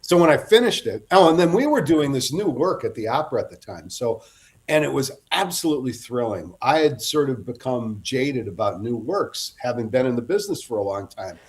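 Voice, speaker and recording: A middle-aged man chats as a guest author, spinning a long anecdote. His pitch sits at an ordinary middle level, and he wanders and cuts himself off as he talks. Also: very animated, brisk. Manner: rambling anecdotal storyteller, self-interrupting. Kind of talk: casual interview chat.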